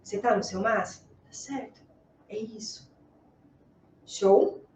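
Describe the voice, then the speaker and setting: A woman with a Brazilian accent teaching an online ballet lesson, demonstrating moves and checking in often with quick questions. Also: mid-range voice, darkish tone, a little hiss or hum. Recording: echoey room, distant mic, dull sound.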